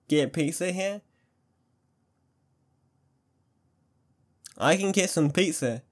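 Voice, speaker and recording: A man playing an affectionate, playful young boyfriend on a date in an ASMR-style audio roleplay, doting and easily excited. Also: a little high. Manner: doting, pet names, mock sports commentary.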